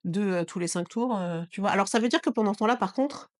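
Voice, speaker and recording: A woman's voice: mid-range voice, fast talker. A woman whose first language is not French co-hosts a casual board game review chat, with a hesitant, playful manner full of fillers. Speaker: co-host.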